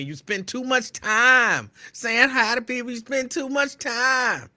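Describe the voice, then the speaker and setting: A put-on character voice, fairly high in pitch and clearly whiny. It drags along at a fairly slow pace in a whiny tone. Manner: whiny, complaining.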